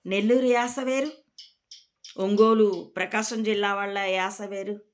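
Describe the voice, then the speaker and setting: A woman from Rayalaseema, a spiritual teacher, giving a calm, reflective discourse to her followers. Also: mid-range voice, a little slow. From Rayalaseema, India.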